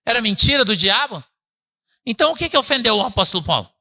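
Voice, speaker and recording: A man preaching a conversational sermon as pastor at a church service, often asking the listeners "né?" and calling them brother, swinging between loud emphatic bursts and low quiet asides. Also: sing-song, quick pace. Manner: chatty, asks the congregation "né?" and calls them "irmão".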